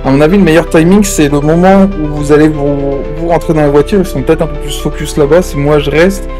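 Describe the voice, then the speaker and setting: A man's voice: on the high side, fairly even intonation, fast talker, over music, natural voice. A man playing a streetwise gang member in an online roleplay game, directing others in casual slang. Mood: focused. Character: male gang member, streetwise, coordinating heist escape.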